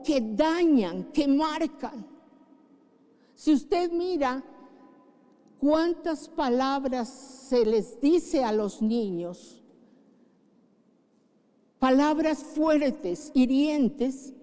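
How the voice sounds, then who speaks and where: A woman's voice: sits high, warm tone, long reverb tail. A middle-aged woman pastor preaching a sermon, praying fervently and repeating key phrases with emphasis. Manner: fervent prayer, emphatic repetition. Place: church.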